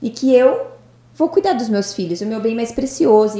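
A woman talks at a moderate pace in a fairly high pitch, her intonation lively. Noticeable background noise runs under her speech. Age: 30s. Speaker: stay-at-home mother sharing faith story. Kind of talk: testimony.

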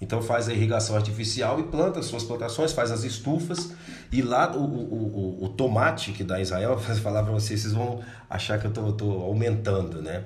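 A man at a medium pitch talks at a moderate pace with ordinary pitch variation, amid audible room echo and noticeable background noise. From Brazil. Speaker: pastor and tour guide in Israel. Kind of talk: casual interview chat. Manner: halting, frequent word repetitions.

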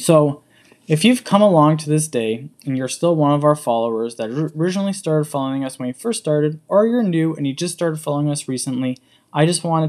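On a very clean recording with a silent background, the speaker has a slight Canadian accent. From Canada. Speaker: podcast host and blogger. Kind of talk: podcast introduction, monologue. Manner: casual, friendly, slightly halting.

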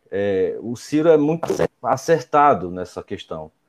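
With an unremarkable speaking voice, a man talks at a fairly slow pace and with lively intonation over a quiet background. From Maceió, Alagoas (Brazilian Northeast). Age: 20s. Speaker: youth political activist. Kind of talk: political discussion.

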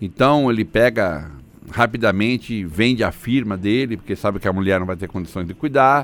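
In a plain, everyday voice, a man with a fairly low pitch talks at a moderate pace with ordinary pitch variation. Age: 50s. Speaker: pastor. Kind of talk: sermon.

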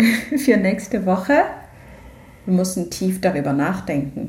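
Her voice somewhat breathy, a woman speaks at a very slow pace with very wide pitch swings amid audible room echo. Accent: non-native. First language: not German (speaking German). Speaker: podcast co-host. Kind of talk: casual chat. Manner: halting.

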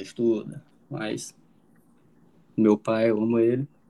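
A man speaks at a very slow pace in a medium pitch. His dark, mellow tone has monotone, flat intonation. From Maranhão, Brazil. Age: 20s. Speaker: digital illustrator. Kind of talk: casual chat.

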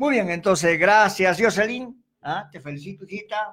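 A man is speaking. His intonation is lively. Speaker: radio host. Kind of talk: casual chat. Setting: studio. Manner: warm, animated.

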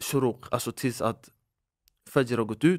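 The man speaks at a very slow pace. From Sweden, Stockholm (Husby, Järva). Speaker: podcast co-host, former Medina student. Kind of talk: casual chat.

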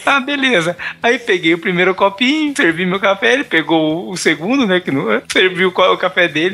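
With hardly any pauses, a man speaks in a high, raised, projected voice with lively intonation and very even loudness. Noticeable background noise runs behind him. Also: moderate pace. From Paraná, southern Brazil. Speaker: aviation worker. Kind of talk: casual chat.

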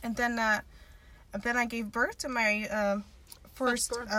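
A woman's fairly high, bright, sharp voice with flat monotone intonation, a moderate pace, and long, frequent pauses. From Netherlands. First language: Dutch. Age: 20s. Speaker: entrepreneur. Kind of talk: interview. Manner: halting.

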